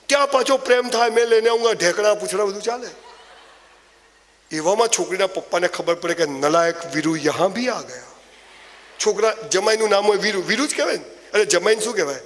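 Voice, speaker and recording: A man giving a comic motivational speech, telling stories with animated, mocking asides. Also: sits high, fairly quick, in a large hall. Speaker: motivational speaker.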